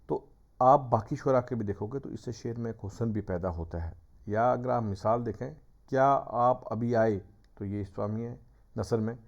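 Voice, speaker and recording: Gravelly-voiced male teacher lecturing. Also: fairly low pitch, darkish tone. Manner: patient, explains step by step with examples. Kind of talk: classroom lecture. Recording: dull lo-fi recording.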